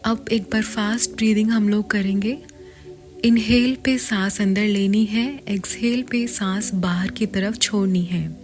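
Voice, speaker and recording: An Indian woman leads a guided meditation at a very slow pace. Her delivery is soft and partly whispered, with long pauses between short, measured phrases. Music plays clearly behind her voice. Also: medium pitch, steady tone.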